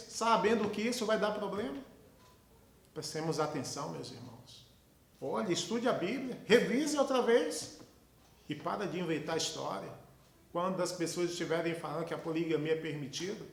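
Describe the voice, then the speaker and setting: A man from Brazil leads a Sabbath school lesson with an emphatic, preachy delivery full of rhetorical questions. His voice sits high for a man. The room gives it a noticeable echo. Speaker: lesson host.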